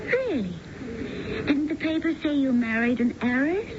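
An actress playing a shrewd, skeptical mistress in a radio drama, with a teasing, sardonic and expressive delivery. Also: female voice, sits high, normal speed. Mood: probing. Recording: muffled, noisy old radio broadcast.

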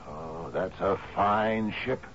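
A man's voice: low-pitched, takes it slowly, fairly bright tone. An actor playing a lordly, exuberant old sea captain in a radio drama, hearty and musing, repeating his phrases. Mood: hearty welcoming. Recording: dull, hissy old radio broadcast recording.

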